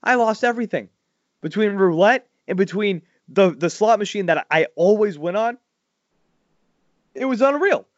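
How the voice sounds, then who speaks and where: A loud, animated man, chatting as a podcast host. His voice sits a little high and leaps up further when a story excites him. The sound is dry and a bit dull, like a lo-fi recording. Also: normal speed, long pauses, no echo. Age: 40s. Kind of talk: casual chat.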